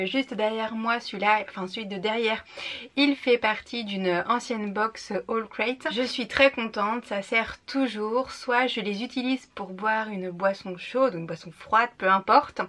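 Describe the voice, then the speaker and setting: A woman's voice: a little high, fairly bright tone. Chatty French-speaking young woman. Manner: chatty, enthusiastic, with frequent fillers. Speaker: book vlogger. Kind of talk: casual unboxing vlog.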